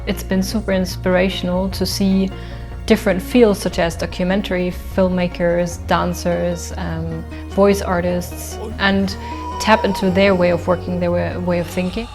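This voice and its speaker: A woman from Germany giving an interview, relaxed and enthusiastic. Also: lowish voice, normal speed, over music. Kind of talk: interview testimonial.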